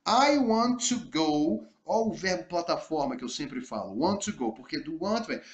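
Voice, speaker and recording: A man with a Brazilian Portuguese accent, a native Portuguese speaker, teaching an English lesson, reading sentences slowly and then translating and explaining them. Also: on the high side, expressive, echoey room. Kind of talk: recorded language lesson.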